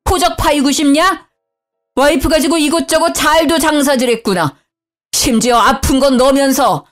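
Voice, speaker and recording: A woman voicing an older father-in-law who is stern, scolding his family and pleading with his daughter-in-law, in a lowered voice. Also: animated, moderate pace, darkish tone, soft background music, close to an everyday voice. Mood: furious.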